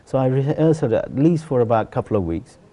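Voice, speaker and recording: A man's voice: mid-range voice, animated, a little fast, mellow. A middle-aged man from Bangladesh telling his own story earnestly as an interview guest, with emphatic, repetitive phrasing. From Sylhet, Bangladesh. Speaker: interview guest, celebrity chef. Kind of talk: conversational personal storytelling in an interview.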